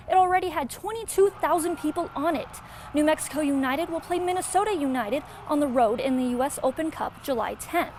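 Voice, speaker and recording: High-pitched American woman anchoring sports news. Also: slight background noise. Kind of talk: scripted sports newscast narration.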